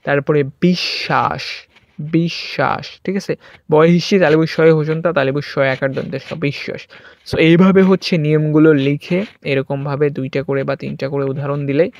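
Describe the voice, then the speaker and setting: A young male tutor works patiently through grammar rules for an exam class. He keeps repeating key points and checks in with his students as he goes. His slightly high voice comes through a dull, dry, lo-fi recording. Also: vocal fry, darkish tone, no echo. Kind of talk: exam-prep grammar lesson.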